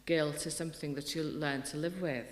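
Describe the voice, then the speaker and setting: A woman's voice: low-pitched, fairly even intonation, normal speed. A middle-aged woman poet from Wales with a Welsh accent, giving an earnest festival talk and reading her poetry, often restarting her sentences. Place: hall. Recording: roomy hall reverb.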